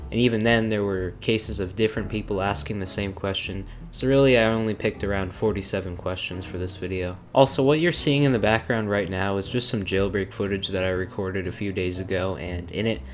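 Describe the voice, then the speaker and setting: A young man who sounds bored and flat, narrating a casual Q&A video as a YouTuber. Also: deep voice, a little fast, few pauses. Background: background music.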